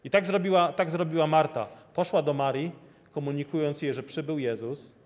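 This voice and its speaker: A man's voice: on the high side, normal speed. A man preaching a sermon, earnestly repeating rhetorical questions to his listeners. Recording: long hall reverb.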